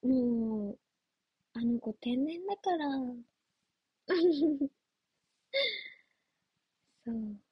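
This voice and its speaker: A woman's voice: high-pitched, animated, very slow, long pauses, husky, dry recording, dull audio. A young woman chatting casually on a livestream as an idol trainee, giggly and playful as she answers viewer comments. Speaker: idol trainee streaming live.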